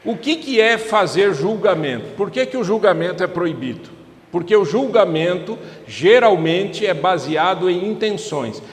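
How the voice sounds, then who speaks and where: A man with a Brazilian Portuguese accent preaching a sermon in a conversational way, often putting questions to the congregation. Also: high voice. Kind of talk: church sermon. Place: church hall. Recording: echoey church hall with long reverb.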